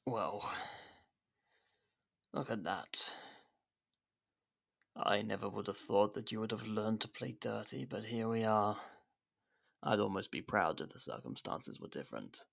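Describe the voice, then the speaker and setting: A man playing a captured, haughty royal rival with dry sarcasm and theatrical pauses in an ASMR roleplay. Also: fairly low pitch, gravelly, a bit bright. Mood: wary, sardonic.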